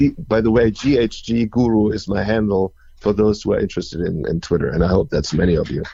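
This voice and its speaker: With a German accent, a man at a fairly low pitch rattles on at a very fast pace with hardly any pauses and ordinary pitch variation, against noticeable background noise. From Germany. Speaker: animal science professor. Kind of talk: radio interview. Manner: many fillers and repetitions.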